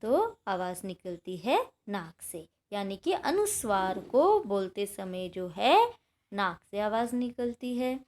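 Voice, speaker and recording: A woman's voice: medium pitch, very animated, takes it slowly, darkish tone. A woman teacher explaining a grammar lesson, patiently sounding out example words aloud.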